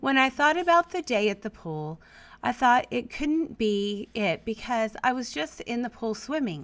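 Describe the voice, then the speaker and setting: A woman with a high pitch speaks at a fairly slow pace with very wide pitch swings in a very clean recording with a silent background. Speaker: channel host and narrator. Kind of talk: reading of a first-person testimony.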